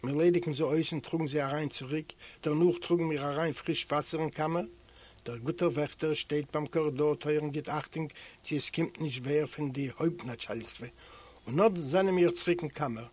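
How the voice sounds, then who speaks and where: A male native Yiddish speaker reading a first-person literary narration in a measured, earnest way. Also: a little high. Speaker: audiobook reader.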